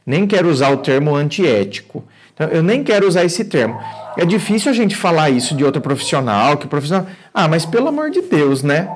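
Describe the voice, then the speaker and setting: A man's voice: on the high side, sing-song, a little fast, a little hiss or hum. A Brazilian man hosting an advice show, reading a viewer's letter aloud and reacting to it with exclamations and direct questions to his audience. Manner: incredulous, exclamatory, addresses the audience and the writer directly.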